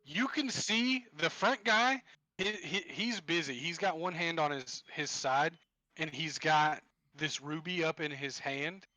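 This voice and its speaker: Slow, bright-voiced game master narrating. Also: male voice, a little high, no room sound, rough recording. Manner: descriptive, piecing scenes together with restarts. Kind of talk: narrating a tabletop game over voice chat.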